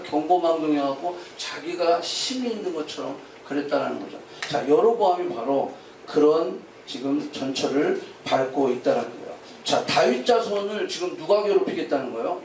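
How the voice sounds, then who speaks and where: A man's voice: high voice, slight background noise. A male pastor preaching a sermon in a church sanctuary, often questioning the congregation and calling for their responses. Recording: roomy hall, voice from a distant mic.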